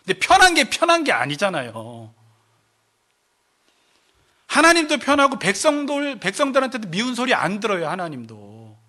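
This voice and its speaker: 교회에서 설교하는 남성 목사로, 인용하는 말투를 연기하듯 흉내 내며 생동감 있게 말한다. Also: male voice, extremely high pitch, normal speed, pauses often. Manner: animated preaching, acts out quoted voices. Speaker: pastor. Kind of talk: sermon. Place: church sanctuary.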